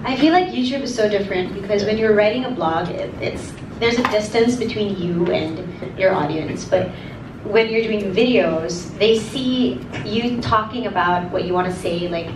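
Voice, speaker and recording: A woman's voice: mid-range voice, normal speed, background noise. A woman from Cebu, a lifestyle vlogger, answering panel questions in an upbeat, enthusiastic way. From Cebu, Philippines. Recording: echoey hall from far off.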